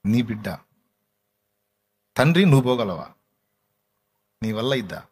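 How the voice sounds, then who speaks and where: A man preaching a sermon with passion, moving between hushed, tender speech and heartfelt pleading, with a Telugu accent. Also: mid-range voice, big pitch swings, measured pace, slightly rough. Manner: impassioned preaching that breaks into song, soft and hushed at times. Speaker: pastor. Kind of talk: sermon with sung worship.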